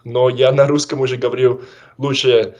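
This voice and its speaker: A man's voice: medium pitch, little pitch movement, moderate pace. A young man hosting a casual conversation, asking questions and steering the talk.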